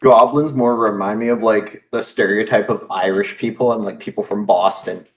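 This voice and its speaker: A man's voice: lowish voice, fairly even intonation, normal speed, rough recording. A man chatting casually on a stream, giving opinions in a rambling way and fumbling for words. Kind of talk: casual chat.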